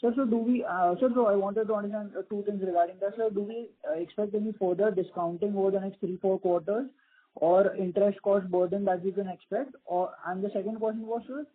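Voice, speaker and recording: A man's voice: sits high, fairly even intonation, brisk. A man, an investment analyst calling in, deferential and rambling, saying sir again and again. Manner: deferential, says sir constantly, rambling questions. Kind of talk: earnings call question. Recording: husky voice on a tinny phone line.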